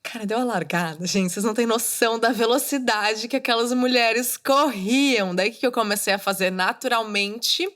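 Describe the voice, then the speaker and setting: A woman's voice: on the high side, moderate pace, hardly any pauses, fairly bright tone. A woman in her thirties hosting a solo podcast, talking casually and coaching her listeners directly. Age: 30s. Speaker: podcast host. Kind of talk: solo podcast monologue, motivational.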